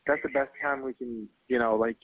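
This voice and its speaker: A man making an emergency call over the phone, halting and flustered, repeating himself as he explains. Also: medium pitch, steady tone, a loud crowd. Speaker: emergency caller, father. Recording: noisy, tinny phone line recording.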